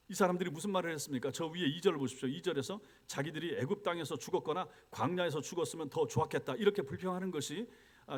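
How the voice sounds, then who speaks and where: A male pastor preaching an expository sermon, walking the congregation through verses with frequent rhetorical questions. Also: fairly high pitch. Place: church sanctuary.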